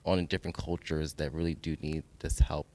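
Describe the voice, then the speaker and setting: A man hosting a podcast panel, encouraging his guests with quick affirmations. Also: a bass voice, flat delivery, a little mellow. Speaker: podcast host. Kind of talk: casual panel chat.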